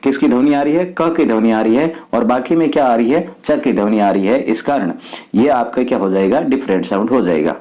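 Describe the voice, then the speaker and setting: In this exam paper walkthrough lesson, a Rajasthani man explains each step, asking his own questions and then supplying the answers. He speaks briskly in a warm, mid-range voice over poor audio.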